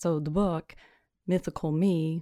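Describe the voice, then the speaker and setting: A woman with a Southern US accent speaks at a fairly slow pace in a fairly low pitch, with a dark, mellow tone and monotone, flat intonation. The sound is dry and close with no echo, in a very clean recording with a silent background. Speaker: author. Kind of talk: interview.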